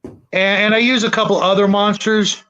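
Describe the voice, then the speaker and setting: A middle-aged man chatting casually as a gaming show co-host, with a halting, meandering way of talking. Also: high-pitched, steady tone, pushed and bright, smooth. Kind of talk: casual chat. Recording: dull lo-fi voice chat audio.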